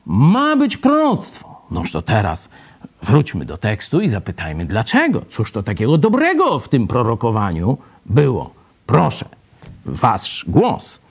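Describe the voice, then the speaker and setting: A man leading a lively Bible study lecture, ironic and animated, asking the group questions and tagging his points with a quick "right?". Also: fairly low pitch, vocal fry, breathy edge. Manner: many fillers and "nie?" tags.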